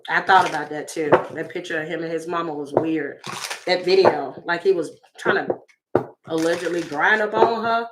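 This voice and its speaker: Doing a tarot reading for her audience, this woman talks at a normal speed in a deep, slightly raspy voice, full of exclamations and side comments. The recording is very noisy.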